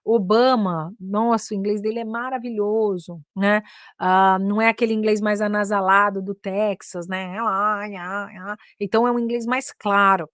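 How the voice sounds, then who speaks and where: A woman's voice: mid-range voice, no room sound, studio quality. A Brazilian woman with a Brazilian accent, giving a casual English lesson and switching between Portuguese and English with lots of "né?" and "ok?" tags. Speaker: English teacher.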